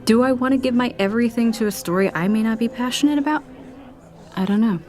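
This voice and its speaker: A woman's voice: fairly high pitch, quick pace, darkish tone, soft background music, close to an everyday voice. An actress playing a stubborn, reluctant young woman writer in an audio drama, wry and earnest, with a dry, understated manner. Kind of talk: naturalistic audio drama acting.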